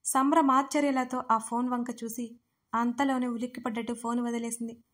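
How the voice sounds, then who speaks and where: Female storyteller, dramatic narration, somewhat high voice. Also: a little fast. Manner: expressive, dramatic reading.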